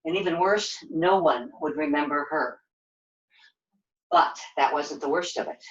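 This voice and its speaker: A woman puppeteer telling a children's story live, with dramatic emphasis and deliberate repetition. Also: low-pitched, lo-fi sound.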